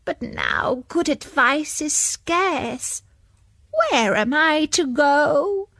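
A woman voicing an aging, mournful cat in a children's story, plaintive and drawn-out. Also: high-pitched, lively intonation, bright, forceful tone, dry recording, voice pushed up, full character voice. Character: aging male cat, mournful, fearful for his neck.

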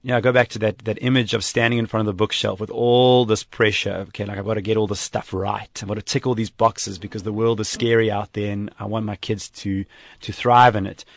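A man with a fairly low voice speaks calmly and thoughtfully, working through each idea with simple examples as a parenting coach. The sound is dry and close, with no room around it. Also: fairly quick, vocal fry, dry recording. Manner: calm, reflective, explaining with examples. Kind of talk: conversational podcast chat.

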